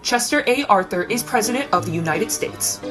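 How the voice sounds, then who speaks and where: A woman's voice: mid-range voice, animated, a little fast, lightly acted. A woman playing a showy game show host in a theatrical parody. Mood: showy, welcoming. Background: music.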